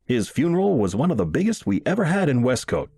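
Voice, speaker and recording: A man reading a first-person short story aloud as an audiobook narrator, in an expressive, folksy storytelling manner. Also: mid-range voice, fast, breathy edge, no echo.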